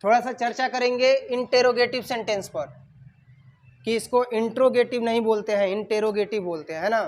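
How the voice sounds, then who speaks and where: A man's voice: very high-pitched, fairly even intonation, a little fast. A male teacher teaching English grammar in a classroom, calling on students and dictating sentences word by word. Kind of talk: classroom lesson. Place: classroom with a whiteboard.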